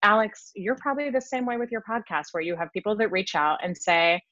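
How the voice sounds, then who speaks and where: A woman's voice: medium pitch, a little fast, fairly bright tone, no echo. A woman from Switzerland, a sales consultant guest on a podcast, talking with energy and emphasis and laughing often. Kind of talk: enthusiastic podcast interview talk. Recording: dull lo-fi dry sound.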